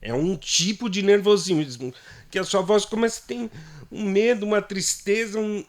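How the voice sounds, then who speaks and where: Brazilian man, voice specialist guest, lively explainer, slightly high pitch. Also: normal speed. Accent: Brazilian Portuguese. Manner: animated, plays out voices while explaining. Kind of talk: casual podcast conversation.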